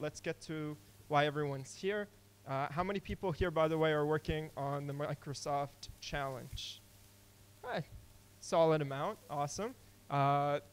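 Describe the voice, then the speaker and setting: Young male tech speaker, clear resonant tenor, relaxed with lots of fillers. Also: a little high. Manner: casual, many fillers and restarts. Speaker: conference speaker. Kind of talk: technical conference talk. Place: conference hall.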